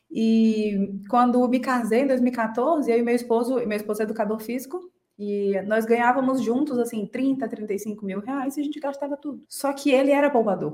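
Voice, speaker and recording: A woman's high-pitched voice with hardly any pauses. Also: fairly even intonation, moderate pace. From Brazil, Maranhão (Imperatriz). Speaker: doctor and finance content creator. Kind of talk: casual interview.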